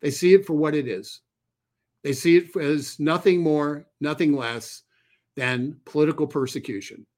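A man's voice: fairly high pitch, normal speed, a little mellow. A man talking straight to camera as a political commentator, emphatic and repeating key phrases. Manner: emphatic, repeats phrases, reads quotes aloud. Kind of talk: solo commentary video.

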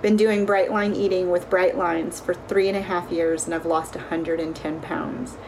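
Woman from Texas, lowish voice, upbeat home-video testimony, faint room hum. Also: fairly even intonation, normal speed. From Texas, USA. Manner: upbeat and straightforward. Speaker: program member sharing testimony.

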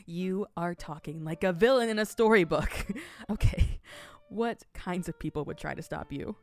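A woman's voice: on the low side, moderate pace, faint music behind, natural voice. A woman playing a teasing camp announcer. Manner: playful and prying, with a whimsical announcing patter. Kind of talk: audio drama acting.

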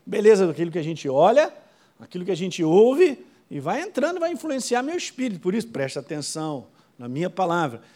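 A male pastor, preaching a sermon in a lively, conversational way full of quick asides. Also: high voice.

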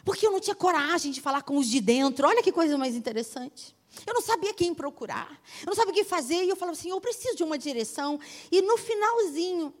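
A middle-aged woman pastor with a Brazilian accent preaching a sermon, emphatic and repetitive, swinging from loud declarations to soft storytelling. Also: high voice.

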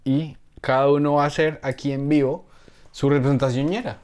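A man's voice: mid-range voice, brisk, clear, resonant tone. Slangy Colombian man telling stories. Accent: Colombian Spanish. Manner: slangy, joking, animated storytelling. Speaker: podcast co-host. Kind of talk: casual chat.

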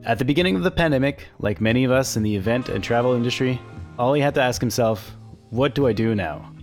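A man's voice: mid-range voice, fast, darkish tone, faint music behind. A man hosting a casual podcast interview, enthusiastic and chatty, who laughs easily. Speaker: podcast host.

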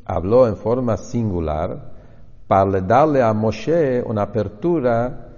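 A man's voice: on the low side, takes it slowly, dark tone. Man, Torah lesson, asks his own questions, long hall reverb, muffled sound. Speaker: Torah teacher. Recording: dull lo-fi recording in a reverberant hall.

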